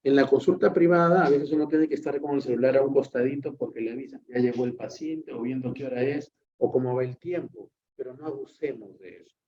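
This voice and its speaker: A man's voice: medium pitch, fairly quick, a little mellow, a little hiss or hum. Chatty lecturing man, dull lo-fi sound. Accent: Peruvian Spanish. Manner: chatty, digressive, acts out patient and therapist dialogue. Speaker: psychology lecturer. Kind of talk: classroom lecture.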